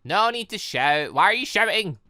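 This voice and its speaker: A man's voice: sits high, sing-song, normal speed, sharp tone, no echo, clean studio sound, heavily acted. A man reading a defensive, stubborn young girl who plays down danger in a visual novel.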